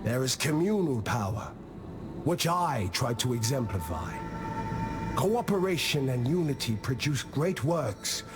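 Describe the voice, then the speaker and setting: An actor playing a wise old tribal diplomat in a video game, speaking in a measured, solemn and philosophical way, calm and patient with a gently stern edge. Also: male voice, medium pitch. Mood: measured, teaching. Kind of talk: scripted video game character monologue. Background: music.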